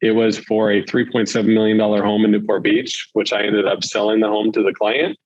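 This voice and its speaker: A man's voice: on the low side, little pitch movement, brisk, dry recording, highs cut off. A man co-hosting a podcast, telling anecdotes in a casual conversational way. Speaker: podcast co-host, real estate agent.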